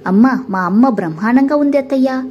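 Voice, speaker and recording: A woman's voice: sits high, expressive, fairly quick, dark tone, highs cut off, slight background noise. A woman voicing a polite, cheerful young man back home from abroad.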